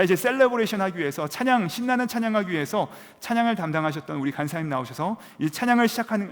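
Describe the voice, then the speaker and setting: A man who is a pastor, telling his own testimony in a sermon, acting out his prayers and swinging from soft low asides to loud cries. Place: church sanctuary. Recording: long hall reverb.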